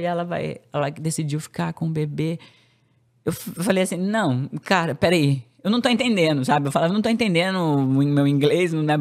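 A woman guest on a podcast, telling a personal story in casual, slangy speech and acting out the quoted lines with big jumps in pitch. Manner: animated, acts out quoted dialogue with sharp pitch jumps; casual slangy speech, many fillers and restarts.

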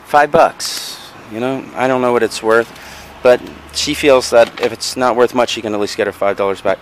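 A man vlogs his resale finds from a backyard patio, filming on a handheld camera in casual show-and-tell style. He rambles, correcting himself and saying um often, in a medium-pitched, steady voice at a moderate pace. There's a little hiss or hum on the recording.

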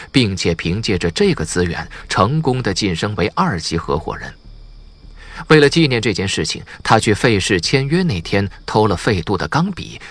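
Husky, expressive male audiobook narrator. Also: on the low side, no room sound. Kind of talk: scripted narration of a suspense crime novel.

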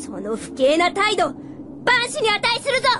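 A woman's voice: extremely high pitch, very animated, measured pace, noisy background, heavily acted. A woman playing a haughty, hot-tempered young princess in a radio drama, with pompous, archaic regal speech. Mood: indignant fury. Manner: imperious, pompous. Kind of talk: Japanese radio drama acting.

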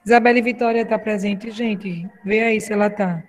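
A woman teacher leading an online class over a video call, taking roll and slowly modelling English phrases for children to repeat. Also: medium pitch, fairly even intonation, long reverb tail. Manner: slow, carefully enunciated English for repetition.

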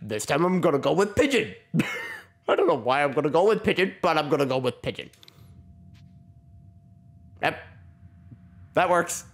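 A man's voice: fairly high pitch, very animated, normal speed, pauses often. A young man with a sore throat and slight cough, giving rambling, self-deprecating casual commentary on a game he plays and chuckling often. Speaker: gaming channel host. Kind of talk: casual let's play commentary.

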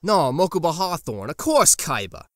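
A man acts a streetwise teenage boy for an audio drama. His speech is colloquial and sardonic, swinging widely in pitch. The sound is dry. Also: big pitch swings, normal speed, a bit bright, dry recording. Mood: offhand. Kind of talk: casual, colloquial fan audio drama acting.

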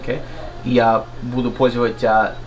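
A man's voice: mid-range voice, flat delivery, reverberant, slight background noise, rough recording. Canadian man mixing English into Russian. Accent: English-speaking Canadian. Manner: mixes English into halting Russian. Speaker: dental surgeon. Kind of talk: casual interview. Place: small dental office.

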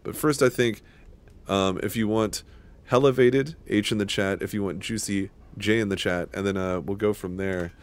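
A man in his thirties from Washington State hosts a live gaming stream, rambling loosely with viewers and swearing freely. His voice is lowish, steady, clear and resonant, at a moderate pace.

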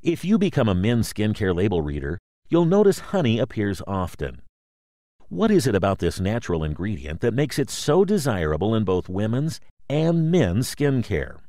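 A man reading a scripted promotional explainer as a voice-over, in a polished, measured announcer's manner. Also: on the low side, huge pitch swings, mellow, no room sound, studio quality. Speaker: voice-over narrator.

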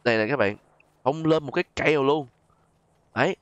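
A man's voice: medium pitch, quick pace, clear, resonant tone, no echo. Southern Vietnamese man, dull dry recording. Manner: conversational, addresses viewers directly with frequent tag particles. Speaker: gaming channel host. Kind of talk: casual game role-play commentary.

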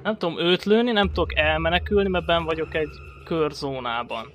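A man commentating his horror game playthrough, excitable, swearing often and yelling when startled. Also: on the high side, background noise. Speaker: gameplay commentator. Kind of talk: horror let's play commentary.

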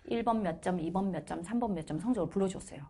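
A woman's voice: medium pitch, rapid-fire, warm tone. A woman math teacher telling a funny story to her class during a live lecture, laughing often as she goes.

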